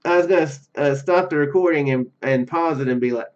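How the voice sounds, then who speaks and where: Man, slightly high-pitched, casual let's-play commentary, rambling, hesitant, dull lo-fi mic. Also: a little fast. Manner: rambling, hesitant, repeats words and trails off. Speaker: let's-play video host. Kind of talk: casual gameplay commentary mixed with reading dialogue aloud. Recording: dull lo-fi mic with faint music.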